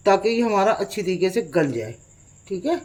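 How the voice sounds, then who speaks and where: An older woman with a Pakistani Urdu accent talks through a recipe in a motherly tone, her voice strained by a sore throat. Her pitch sits in a middle range, and a faint hiss of background noise runs under the recording. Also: very animated, normal speed, darkish tone, rough recording. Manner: motherly, calls viewers "beta", repeats "theek hai". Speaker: cooking channel host. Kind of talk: home cooking tutorial. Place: home kitchen at the stove.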